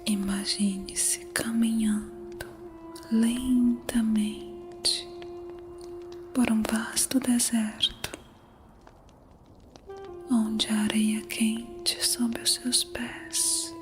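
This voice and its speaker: A woman narrating an ASMR guided meditation in a soothing, unhurried manner. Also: on the high side. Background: music.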